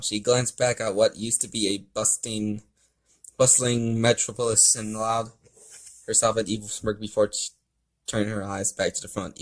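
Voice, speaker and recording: A man with a lowish voice reads a story aloud as an amateur. His delivery is halting and stumbles over words. He talks in a casual, unpolished way, like someone commenting as he reads. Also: rough recording. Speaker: fan fiction reader and commentator.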